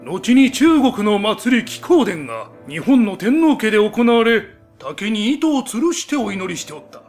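A proud old emperor of heaven in an animated children's story. His voice is very high for a man and swings in pitch as he lectures like a fatherly elder. Faint music plays behind him. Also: unhurried. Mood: lordly, explaining. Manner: old-fashioned elder's speech, lordly and explanatory. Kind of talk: scripted educational story narration.

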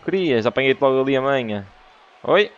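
A young man with a European Portuguese accent doing excitable let's play commentary, breaking into loud exclamations. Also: medium pitch, normal speed, dull audio. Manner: excitable, bursts into exclamations and laughter. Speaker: gaming YouTuber.

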